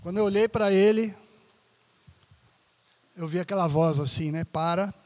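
A man's voice: sits high, normal speed. A man preaching a conversational sermon as pastor, often tagging his sentences with questions.

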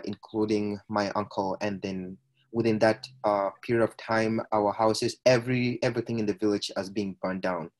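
A young man speaks as a podcast guest, in a fairly low voice. He tells his story hesitantly, pausing often with filler sounds and restarting his sentences. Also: a little mellow. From Ethiopia. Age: 20s. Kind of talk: personal storytelling in conversation.

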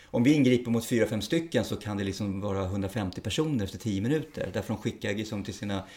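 A man's voice: lowish voice, lively intonation, darkish tone. A middle-aged man, a police officer, speaking frankly and bluntly in a casual interview, with the odd curse word. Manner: frank and blunt, plain-spoken with occasional swearing.

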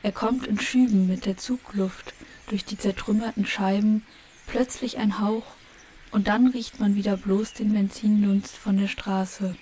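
A woman giving a measured, contemplative literary narration for an audio play. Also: mid-range voice, fairly even intonation, mellow, slight background noise. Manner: measured, contemplative, with lingering repetitions.

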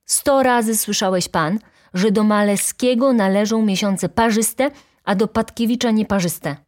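A woman voicing a hot-tempered, indignant poor young male student who shouts in outrage. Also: mid-range voice, expressive, unhurried, pitched above the performer's own voice.

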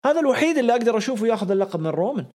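A young man, co-hosting a podcast in casual commentary, excitable and repeating phrases for emphasis. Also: very high-pitched, very fast. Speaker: podcast co-host.

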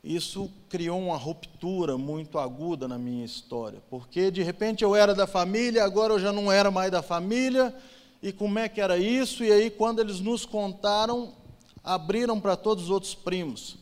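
A man from Brazil gives an emotional personal testimony in church, his voice sitting high at a moderate pace. He tells his story swinging from loud to hushed, and the hall around him is reverberant.

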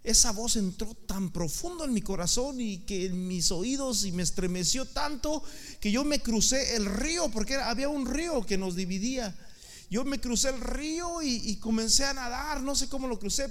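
A man preaching a sermon in an impassioned way, repeating words and building up to shouts. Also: very high voice, moderate pace, a little hiss or hum.

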